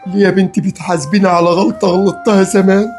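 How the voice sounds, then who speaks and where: A woman's voice: medium pitch, fairly even intonation, rapid-fire, a little mellow, faint music behind, lightly acted. A woman doing a frail, disabled old Egyptian father-in-law. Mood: plaintive. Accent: Egyptian Arabic. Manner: plaintive, reproachful.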